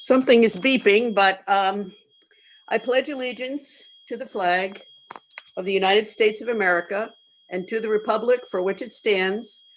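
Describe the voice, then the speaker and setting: A woman's voice: mid-range voice, moderate pace, slight background noise. A woman council member on a video call, reciting steadily. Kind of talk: reciting the pledge in a meeting.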